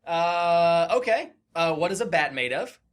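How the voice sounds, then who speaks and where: A man's voice: fairly high pitch, animated, unhurried, clean tone. A man hosting a podcast, talking casually and hesitantly through a guessing game, with some swearing. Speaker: podcast host. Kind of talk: casual chat, playing a word-guessing game.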